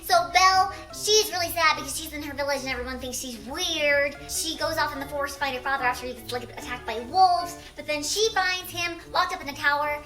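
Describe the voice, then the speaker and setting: A young woman with a squeaky helium voice, giggly and rambling as she playfully retells stories in a challenge vlog. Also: brisk, few pauses, pushed and bright, echoey room, faint music behind. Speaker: video creator.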